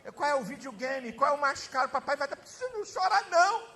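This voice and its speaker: A man's voice: very high voice, lively intonation, fast talker, slight background noise, heavily acted. A man doing a fussing, doting parent. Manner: soft, fussing, pleading. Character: doting, whiny parent spoiling a crying child.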